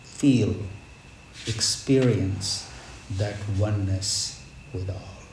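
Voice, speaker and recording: Slow, reverent man preaching in an echoey space. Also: on the low side. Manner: reverent, measured, reflective, with deliberate pauses. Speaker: spiritual teacher leading a devotional gathering. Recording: echoey space with background noise.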